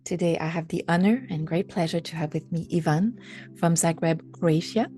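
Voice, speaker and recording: A woman hosts an interview in a mellow, rather low voice. She speaks gently and effusively, giving soft affirmations. Faint music sits underneath. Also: normal speed. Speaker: host. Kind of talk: interview hosting.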